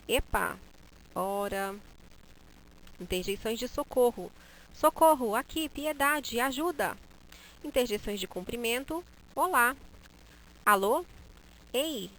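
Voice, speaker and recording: Brazilian woman teacher, video lesson, expressive, mid-pitched, faint noise behind. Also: rough recording. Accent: Brazilian Portuguese. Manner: expressive, acts out interjections.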